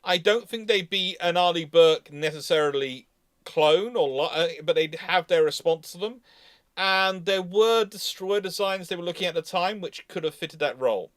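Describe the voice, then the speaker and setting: Emphatic man with a higher-pitched voice. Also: moderate pace, no echo, studio quality. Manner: emphatic, explanatory, repeats and restarts phrases. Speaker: host and naval historian answering questions. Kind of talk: live question-and-answer discussion.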